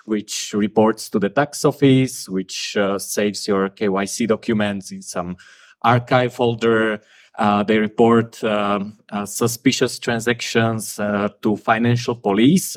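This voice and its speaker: A man giving a talk at a conference, blunt and frank, with frequent "uh" fillers. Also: medium pitch. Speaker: conference speaker.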